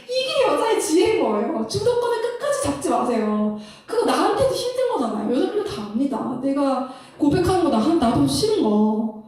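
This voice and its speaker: A woman with a high, lively voice gives an animated talk as a Christian counselor, laughing often and acting out what couples say to each other. She is recorded from a distance in a very echoey room. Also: fairly quick, few pauses. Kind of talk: lecture-style talk.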